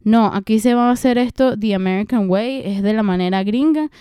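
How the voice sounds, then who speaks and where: Smug, whiny young American woman abroad, put on by a woman retelling a show, smooth and mellow, slightly high. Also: fairly quick, no room sound, clean studio sound, lightly acted.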